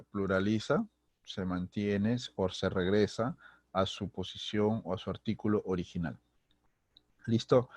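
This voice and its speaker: A man's voice: on the low side, darkish tone, no room sound. A man from Peru with a Peruvian Spanish accent, teaching a recorded secondary school grammar lesson, restating terms and often checking that students follow. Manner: explanatory, repeats and restates terms, frequent "¿sí?" and "¿listo?" checks.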